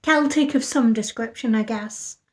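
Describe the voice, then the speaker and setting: A tired woman book vlogger, up all night reading, chats casually in her vlog, rambling and thinking aloud. Her voice is fairly high-pitched at a normal speed.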